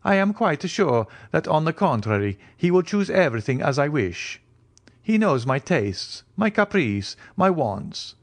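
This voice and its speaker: Man voicing a lofty, higher-pitched mysterious count. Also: sing-song, measured pace. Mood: assured. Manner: formal, precise, loftily composed. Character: mysterious, self-assured, aristocratic male count. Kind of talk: audiobook character dialogue.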